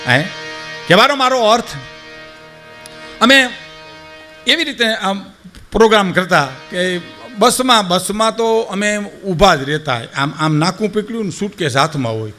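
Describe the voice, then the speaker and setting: Older male folk raconteur, Saurashtra Gujarati accent, high-pitched and animated, plays the people he quotes. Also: moderate pace, faint music behind. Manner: animated, acts out quoted speakers, addresses audience as sir. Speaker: folk storyteller. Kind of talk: dayro storytelling to a live audience.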